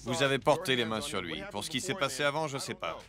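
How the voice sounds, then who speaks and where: A man's voice: mid-range voice, lively intonation, fast talker, over music, lightly acted. A man dubbing a police officer who talks in a stern, accusing way. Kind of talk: dubbed reality-show dialogue.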